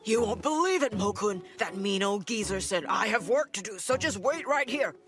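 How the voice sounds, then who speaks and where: A woman's voice: mid-range voice, lively intonation, normal speed, music in the background, lightly acted. A woman voicing a spirited, hotheaded boy apprentice exorcist in an anime dub, brash and emotional. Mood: wistful.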